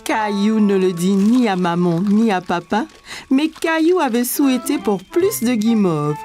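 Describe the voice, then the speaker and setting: A woman playing a kindly storyteller, narrating a children's cartoon in a clearly phrased storybook manner. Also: medium pitch, lively intonation, unhurried, dark tone, natural voice. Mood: storytelling. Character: kindly storyteller narrating a small boy's day. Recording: faint music under the voice.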